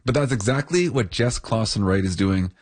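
A man's voice: fairly low pitch, normal speed, a little mellow. A man hosting the show, musing candidly and a little hesitantly about what he could give up. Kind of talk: reflective commentary.

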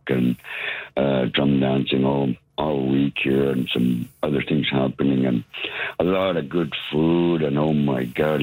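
A man calling in to a radio show, hoarse from losing his voice, excitedly exclaiming as he talks. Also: a bass voice, no echo. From Canadian Arctic. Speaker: caller. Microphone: phone line. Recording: tinny dry phone line.

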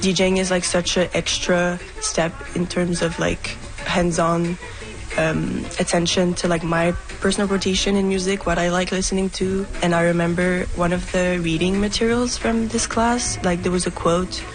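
A woman's voice: on the low side, flat delivery, normal speed, low-quality recording. A young woman, a student, answering interview questions casually with lots of fillers. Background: music.

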